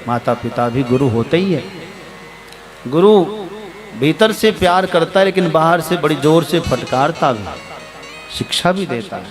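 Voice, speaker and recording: A man's voice: on the high side, lively intonation, normal speed, over music. A man giving a Hindu religious discourse to listeners, preaching about raising children and acting out household exchanges with quoted voices. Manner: preachy, acts out household dialogue. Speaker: Hindu spiritual teacher.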